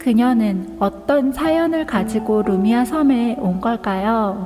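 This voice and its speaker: A woman's fairly high-pitched voice with lively intonation, music in the background. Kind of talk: game lore story narration.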